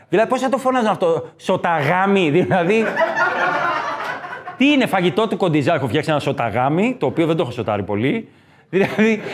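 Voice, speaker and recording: A male comedian performing a stand-up monologue, riffing and mimicking people shouting names, with quick asides. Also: high voice.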